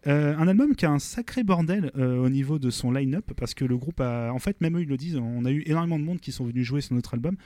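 A man's voice: on the high side, animated, quick pace, few pauses, warm tone, dry recording. A man hosting a casual music show, rambling with lots of fillers and frequent laughs. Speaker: show host presenting bands. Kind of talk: casual radio-style music chat.

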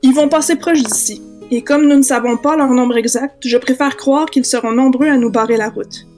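A woman's voice: high voice, normal speed, faint music behind, lightly acted. Woman doing a patient Québécois ranger. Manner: calm, patient explaining. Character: patient male ranger, leader of the group.

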